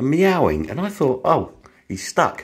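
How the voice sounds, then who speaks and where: The man's intonation is lively and his pace moderate. There is a somewhat breathy quality to his voice. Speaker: vlogger. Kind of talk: casual storytelling.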